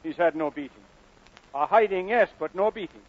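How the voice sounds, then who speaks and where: A man's voice: high-pitched, moderate pace. An actor playing a stern, proud Welsh father in a vintage film drama, commanding and lilting. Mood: firm. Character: stern, proud working-class Welsh father of many sons. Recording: dull vintage film soundtrack.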